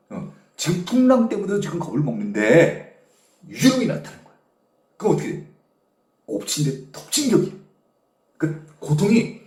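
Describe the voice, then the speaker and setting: A male pastor giving an animated sermon, often prompting listeners with short questions. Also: high-pitched. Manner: animated storytelling, constant "eh?" prompts to the audience. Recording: echoey room.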